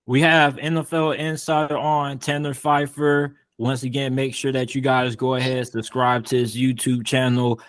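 Laid-back podcast host, dry sound. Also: male voice, mid-range voice, flat delivery, normal speed, hardly any pauses, no echo. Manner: laid-back, slangy, says "you feel me". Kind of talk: casual podcast chat.

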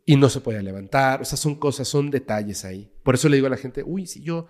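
A man's voice: mid-range voice, fast. Mexican man telling a tense story. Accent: Mexican Spanish. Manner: dramatic storyteller, drops to a hush for tense moments. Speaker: guest, paranormal investigator. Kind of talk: casual storytelling interview.

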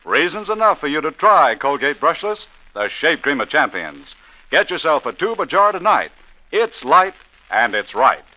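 A man's voice: a little high, very animated, moderate pace, pushed and bright. A man reading a radio commercial in a breezy, punchy sales manner. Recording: dull lo-fi 1940s radio.

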